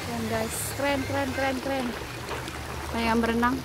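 A woman in her thirties excitedly vlogging at outdoor hot springs, talking to viewers through a phone camera. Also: on the high side, fairly quick. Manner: excited, exclaiming, addresses viewers as guys. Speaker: travel vlogger. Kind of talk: casual travel vlog. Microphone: phone camera held at arm's length. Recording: outdoor phone audio with loud background noise.

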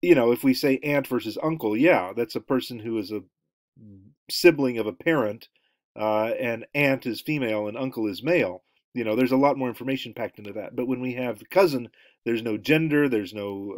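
A man's voice: medium pitch, no echo. A middle-aged man giving a recorded anthropology lecture over slides from home, talking in a rambling way with many ums and uhs. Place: home room, indoors.

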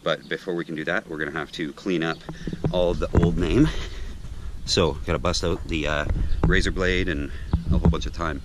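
Low-voiced man vlogging on a sailboat. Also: moderate pace. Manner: relaxed, joking, many ums and uhs. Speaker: vlog host, liveaboard sailor. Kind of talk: casual how-to vlog narration. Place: sailboat at a marina, cabin and deck. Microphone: handheld action camera close to the face. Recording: loud wind and handling noise.

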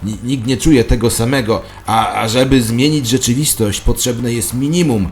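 A man's voice: mid-range voice, normal speed, voice pushed up, close to an everyday voice. A man voicing a solemn, doctrinaire conspiracy ideologue preaching emphatically in a satirical audio drama. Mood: grave, insistent.

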